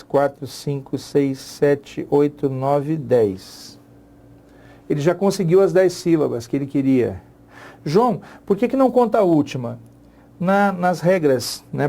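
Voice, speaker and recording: A man's voice: a little high, creaky, mellow. A middle-aged Brazilian man giving an exam-prep literature lesson, chatty, repeating key phrases and checking in with the class. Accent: Brazilian Portuguese. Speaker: literature teacher.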